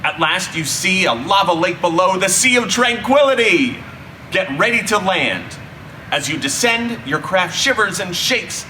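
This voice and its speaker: A man narrating a children's story in an expressive, dramatic read-aloud style with emphatic delivery. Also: sits high, a little slow, a little hiss or hum. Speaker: narrator reading a children's book.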